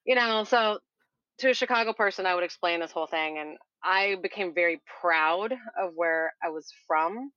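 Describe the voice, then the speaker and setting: A woman's voice: fairly low pitch, normal speed, bright, forceful tone, no room sound, highs cut off. A woman from Texas who works as a doula and strength coach, talking casually as a guest with many restarts. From Texas, Houston area. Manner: rambling, with many restarts and "you know". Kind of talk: casual interview chat.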